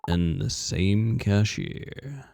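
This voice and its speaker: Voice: sits low, drawn-out words, creaky, a little mellow, soft background music, pitched below the performer's own voice, exaggerated voice. A streamer voicing an eerie male late-night customer in a video game, probing and ominous in a musing way. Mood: low, laconic. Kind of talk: acted video game dialogue reading.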